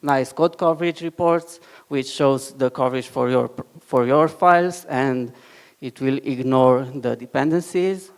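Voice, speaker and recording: Halting man presenting a live demo, slow and unhurried delivery. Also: mid-range voice, clear, resonant tone. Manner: halting, restarts phrases. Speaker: conference speaker. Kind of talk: lightning talk with live demo. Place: conference hall.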